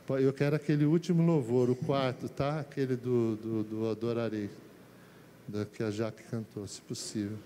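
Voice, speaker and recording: A man with a Brazilian Portuguese accent preaching a sermon, telling stories and swinging between quiet low asides and high excited bursts. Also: normal speed, slight background noise. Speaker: pastor. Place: church. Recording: music behind the voice. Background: worship music playing.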